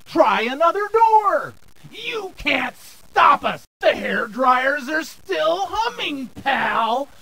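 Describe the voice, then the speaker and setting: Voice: high-pitched, sing-song, extremely slow, creaky, pushed and bright, exaggerated voice. An actor voicing a cocky, jeering turtle villain in a cartoon video game, sneering and sarcastic.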